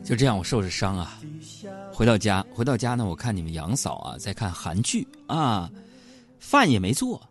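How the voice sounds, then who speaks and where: Animated Northeastern Chinese man joking. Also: moderate pace, music in the background. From Northeast China. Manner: jokey, playful teasing, sudden jumps into high mock voices. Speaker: host. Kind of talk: comic storytelling monologue.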